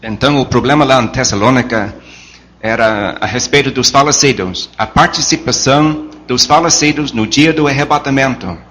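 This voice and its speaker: A man's voice: medium pitch, moderate pace, fairly bright tone, slight background noise. A man with a Brazilian Portuguese accent explaining a point in a group Bible study.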